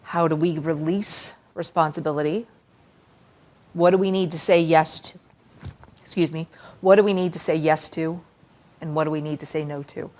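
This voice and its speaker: A woman's voice: low voice, darkish tone, slight background noise. A woman giving a conference talk, casual and conversational, inviting the audience to respond. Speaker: conference speaker.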